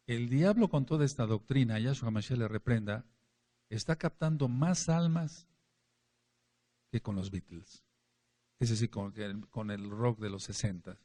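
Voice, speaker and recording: A man preaching a sermon and reading scripture aloud, emphatic, with his voice rising and falling. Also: medium pitch. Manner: emphatic preaching, asks for amens, swings between loud and quiet.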